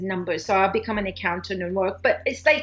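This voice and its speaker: Here a woman speaks with a Turkish accent. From Turkey. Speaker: life and relationship coach. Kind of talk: interview. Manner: halting, many fillers.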